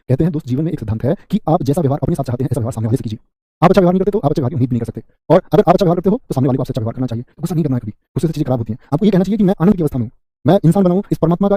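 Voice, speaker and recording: A man's voice: fairly high pitch, warm tone, no echo, clean studio sound. A man teaching an exam class live online, chatty, rattling off memory tricks and asking the class questions. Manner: fast, chatty, keeps asking "what will you say?". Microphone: close mic, sped-up video.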